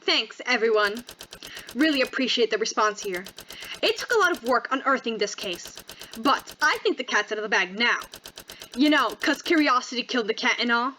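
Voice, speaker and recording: A woman plays a powerful, swaggering enforcer in a visual novel. She is smug and casual, taunting with mean jokes in a bright, forceful voice over some noise. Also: a little high, expressive, moderate pace, rough recording. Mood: smug, joking.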